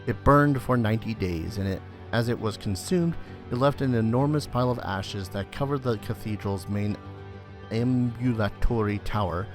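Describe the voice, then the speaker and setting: A man's voice: lowish voice, moderate pace. A man giving casual game commentary, muttering asides with some mild swearing and now and then reading game text aloud. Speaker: let's play host. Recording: game music behind voice. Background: video game music.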